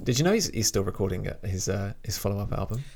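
A man in casual chat about music, talking in a relaxed, hesitant way and sometimes reading a short biography aloud. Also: fairly low pitch, fast talker, gravelly.

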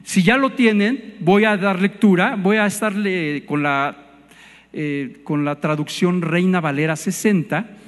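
A man's voice: sits high, unhurried, big-room sound. A man preaching a sermon in a conversational way, asking his congregation questions.

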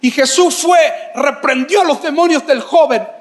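A man in his forties preaching a sermon with animated delivery that rises to shouts, recorded in a church hall. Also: very high voice, normal speed. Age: 40s. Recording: long hall reverb with faint music.

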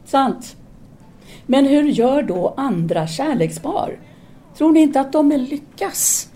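A woman's voice: sits high, very animated, mellow, slight background noise. An actress playing a candid, brooding intellectual Parisian woman in an audio drama, speaking formal dialogue in an earnest, articulate way. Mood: questioning.

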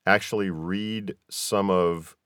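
Deep-voiced male host, dry close sound. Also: steady tone, slow pace, a bit bright, clean tone, no room sound. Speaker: podcast host, audiobook narrator. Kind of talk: interview conversation.

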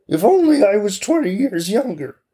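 A man voicing a frail, humble old grandfather who speaks softly and kindly in a storybook tale. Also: sits high, very animated, moderate pace, breathy edge, voice pushed up, heavily acted. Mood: wistful.

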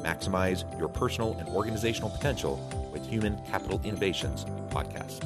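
A man's voice: sits low, fast, loud music behind the voice. A man hosting a podcast interview, reading the guest's bio formally and with enthusiasm. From United States. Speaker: podcast host. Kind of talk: podcast interview with scripted intro.

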